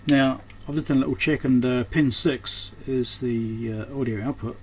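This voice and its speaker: Man thinking aloud, clearly noisy recording. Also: medium pitch, fairly even intonation, normal speed. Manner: unscripted, thinking aloud while working. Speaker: host of an electronics repair channel. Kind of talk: casual hands-on repair commentary.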